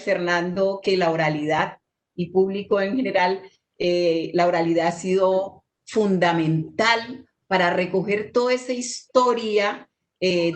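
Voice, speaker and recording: Middle-aged woman from Chocó, dancer-teacher; slow, low-pitched, reflective storytelling on a panel. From Chocó, Colombia. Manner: warm, unhurried storytelling with many "eh" pauses. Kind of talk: panel talk, personal memories.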